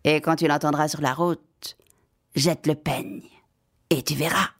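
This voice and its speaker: A woman voicing a skinny black cat with a gruff, deliberate voice. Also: low voice, steady tone. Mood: advising.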